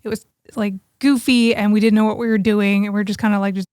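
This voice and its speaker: A woman co-hosts a podcast, sharing personal stories in an informal, chatty style. Her pitch is average for a woman. She is recorded close up with a dry, roomless sound. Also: flat delivery, fast talker, a little mellow, smooth, no room sound. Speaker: podcast co-host. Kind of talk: casual chat, personal storytelling.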